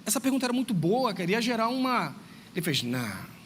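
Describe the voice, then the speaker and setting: A man's voice: extremely high pitch, lively intonation, quick pace, a bit bright, in a large hall, a little hiss or hum. A man preaching a sermon to a congregation, telling stories, acting out dialogue and speaking directly to his listeners. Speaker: pastor and schoolteacher. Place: church sanctuary.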